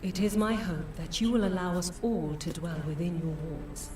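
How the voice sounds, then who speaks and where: A woman playing a dignified, solemn noblewoman in a fantasy game, speaking formally and with measured courtesy. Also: fairly low pitch, close to an everyday voice. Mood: grave, pleading. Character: dignified, solemn foreign noblewoman pleading for refugees. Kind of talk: scripted fantasy game acting. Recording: roomy, distant game audio under music.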